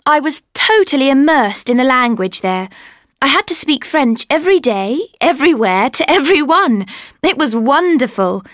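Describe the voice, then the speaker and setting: A woman telling a scripted story for a language course, with a clear and steady delivery. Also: high voice, normal speed, no echo, clean studio sound. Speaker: speaker in a listening exercise. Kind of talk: scripted monologue.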